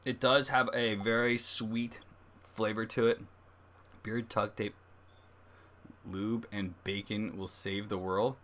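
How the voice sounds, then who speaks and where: A man with a fairly low voice hosts a casual live review. He talks in a halting, conversational way, working out his thoughts as he speaks. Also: level tone, fairly bright tone. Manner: halting, thinking aloud. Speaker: host of a beer review livestream. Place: livestream, speaking beside a laptop.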